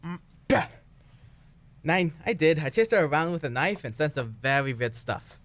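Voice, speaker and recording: A man's voice: on the high side, lively intonation, unhurried, a bit bright. A man playing a weird, sullen boy in a comic radio play, with a blunt, odd delivery. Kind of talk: comedic audio drama acting.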